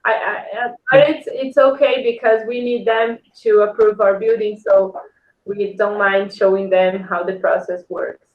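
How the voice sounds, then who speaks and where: A woman's voice: mid-range voice, fairly even intonation, a little slow. A woman with a Brazilian Portuguese accent speaking English as a second language, chatting as an interview guest. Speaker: podcast guest, house-building company founder. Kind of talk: casual interview conversation. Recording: roomy echo, dull lo-fi call audio.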